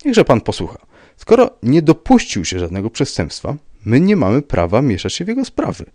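A man voicing a gruff police commissioner who speaks in a dry, curt, dismissive way. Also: medium pitch, wildly swooping pitch, fairly quick, darkish tone, dry recording, pitched above the performer's own voice. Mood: matter-of-fact. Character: gruff, unbothered middle-aged police commissioner.

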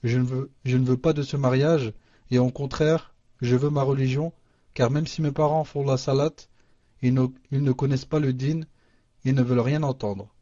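A man moderates a call, reading listener questions in a halting way with frequent restarts. His voice is dark and mellow, and it sounds dry and muffled, as if over a lo-fi line. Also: medium pitch, fairly even intonation, no echo. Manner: halting reading with restarts, Arabic religious phrases. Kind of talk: reading questions aloud, hesitant. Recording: muffled lo-fi audio.

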